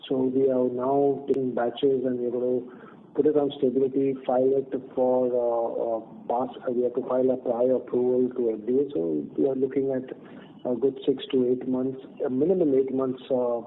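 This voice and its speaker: A male company executive answering questions on an earnings conference call, speaking haltingly with repeated words over a phone line. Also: mid-range voice, level tone.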